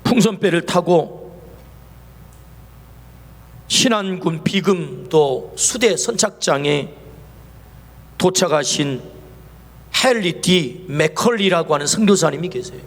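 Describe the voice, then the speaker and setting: Male pastor, high voice, sermon with rhetorical questions, long church reverb. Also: expressive, takes it slowly, long pauses. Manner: asks the congregation many rhetorical questions. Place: church sanctuary.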